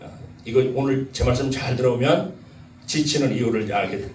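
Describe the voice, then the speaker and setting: A man's voice: mid-range voice, a little fast, a little hiss or hum. A man preaching a sermon to his congregation, repeating key phrases and putting questions to the listeners. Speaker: pastor. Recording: echoey hall, mic at a distance.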